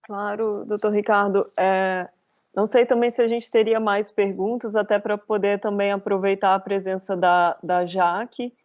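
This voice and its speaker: Measured academic woman on a muffled call. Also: medium pitch, little pitch movement, darkish tone. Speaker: law professor, debater. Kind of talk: webinar talk. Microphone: video call.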